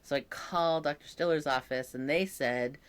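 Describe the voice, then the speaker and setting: A young trans man vlogging a casual personal update, speaking thoughtfully with many pauses and fillers, his voice sometimes croaking. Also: fairly high pitch, a bit bright. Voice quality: occasionally croaky voice.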